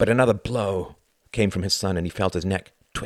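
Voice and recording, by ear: A natural voice reading aloud over a quiet background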